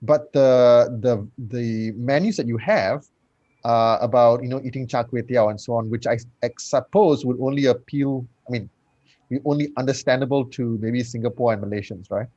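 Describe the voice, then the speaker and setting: A man's voice: medium pitch, fairly even intonation, moderate pace, dark tone, dry recording. A man judging a competition, asking contestants probing questions over a video call. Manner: probing, conversational. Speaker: competition judge. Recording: dull dry lo-fi call audio.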